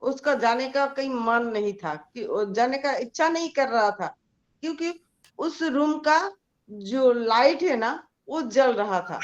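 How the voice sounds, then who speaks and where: A woman telling a moral story to a team meeting in a slow, plain way with restarts. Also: sits high, expressive, dull audio.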